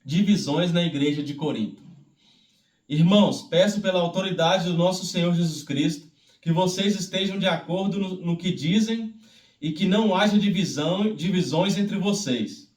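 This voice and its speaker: A man's voice: high voice, moderate pace, a little mellow. A man with a Brazilian Portuguese accent, leading a devotional and reading scripture aloud. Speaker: devotional Bible reader leading prayer. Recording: roomy, echoey, distant microphone.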